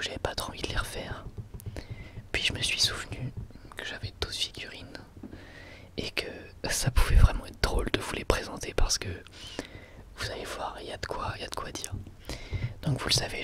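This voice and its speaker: An ASMR host whispers a casual product presentation, hesitant and conversational, with a dry sense of irony.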